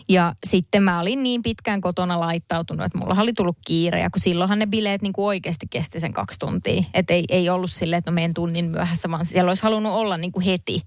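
A woman on a panel show telling a self-mocking childhood story in a casual, animated way. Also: on the low side, no room sound, clean studio sound.

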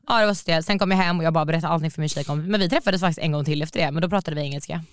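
A young adult woman telling a story in casual chat, animated and slangy, laughing as she goes. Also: sits low, clean tone, no echo, clean studio sound.

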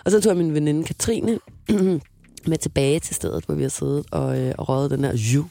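A young woman co-hosting a radio show, telling an embarrassing story in an animated, laughing way. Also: low-pitched, creaky, dry recording. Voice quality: lively, animated, laughs a lot. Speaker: radio co-host. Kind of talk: casual storytelling chat.

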